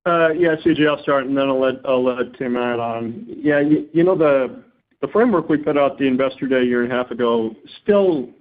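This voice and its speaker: A man's voice: medium pitch, a little fast. Man on a thin, phone-like line. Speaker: company executive answering analysts. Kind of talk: earnings call question and answer. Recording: narrow phone-like conference line.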